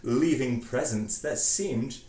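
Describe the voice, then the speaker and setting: A man reads a rhyming storybook aloud in a mid-range voice. He takes it slowly, pausing for theatrical effect. The recording is echoey, with faint noise behind him. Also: mid-range voice, dark tone. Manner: measured, theatrical phrasing with pauses. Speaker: storybook reader. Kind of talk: dramatic reading of a rhyming storybook.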